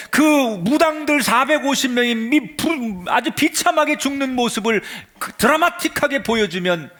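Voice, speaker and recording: A man preaching a sermon in a church as pastor, swinging from a raised voice to hushed murmurs and leading the congregation in call-and-response. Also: very high-pitched.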